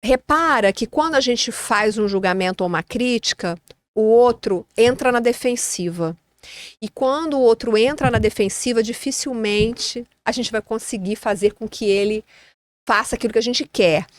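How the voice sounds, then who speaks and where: Female co-host, thoughtful explainer, slightly high pitch, dry studio mic. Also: moderate pace, no echo. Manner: reflective, explanatory, restarts phrases. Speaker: podcast co-host. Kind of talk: casual conversational podcast.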